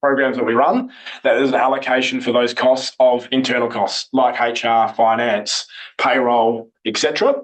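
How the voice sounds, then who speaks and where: Speaking in an Australian accent, a man keeps a moderate pace at a medium pitch. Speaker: local council officer. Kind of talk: public consultation presentation. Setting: community meeting, live streamed. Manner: halting, many fillers.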